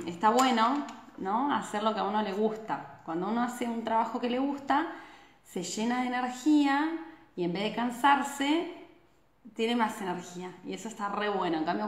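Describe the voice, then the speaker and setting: Hosting a relaxed live stream from a small indoor room, this Argentine woman in her thirties speaks with an Argentine Spanish accent and a voice on the high side. Her manner is chatty, full of tag questions and lively hand gestures. The phone filming her is held at arm's length, and the room echoes.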